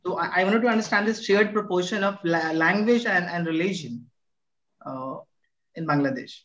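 A young man with an Indian English accent asking a question on a video call, pausing often with "uh". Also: high-pitched, a bit bright. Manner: hesitant, frequent "uh". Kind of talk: question at an online discussion. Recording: echoey, muffled video call audio.

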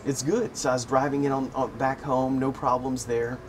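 A man chatting in a relaxed, wry and amused way as he tells everyday stories for his vlog. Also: medium pitch, normal speed, a little hiss or hum. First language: English. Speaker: vlogger. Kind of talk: casual storytelling vlog. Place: living in Thailand.

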